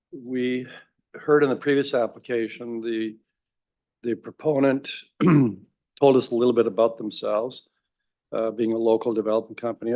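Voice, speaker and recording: A man's voice: mid-range voice, a little mellow. A man chairing a council meeting who asks direct, probing questions.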